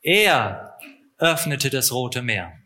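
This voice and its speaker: A man's voice: mid-range voice, very animated, drawn-out words, bright, forceful tone. A man interpreting a talk line by line, rendering each phrase promptly in a matter-of-fact way with the odd filler sound. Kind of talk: live consecutive interpreting.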